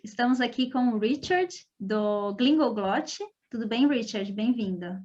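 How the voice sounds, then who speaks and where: A woman's voice: on the high side, expressive, a little slow, darkish tone, lo-fi sound. Brazilian woman hosting an interview. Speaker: host. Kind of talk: podcast interview.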